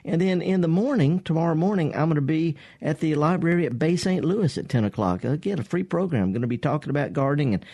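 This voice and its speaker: Folksy, husky man hosting radio. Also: on the high side, expressive, fast talker, few pauses, mellow, no room sound. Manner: folksy, rambling, chuckling. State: husky from pollen. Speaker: radio gardening show host. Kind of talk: casual radio call-in talk. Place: radio studio. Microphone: studio microphone.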